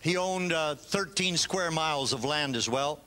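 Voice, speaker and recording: An older male preacher from Canada delivers his sermon in short, measured phrases. He leaves gaps for an interpreter. His voice is bright and sits a little high. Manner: storytelling, pauses in short phrases for translation.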